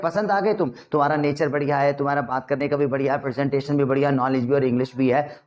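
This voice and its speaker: A man's voice: a little high, darkish tone. A young man with an Indian accent giving a casual spoken lesson on job interviews, acting out both sides of the exchanges. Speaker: interview trainer.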